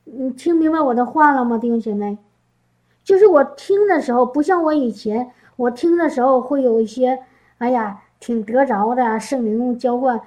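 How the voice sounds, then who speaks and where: High-voiced woman giving a testimony. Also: moderate pace, dark tone, low-quality recording. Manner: emotional, repeats words, asks listeners questions. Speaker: church speaker. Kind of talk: testimony sermon.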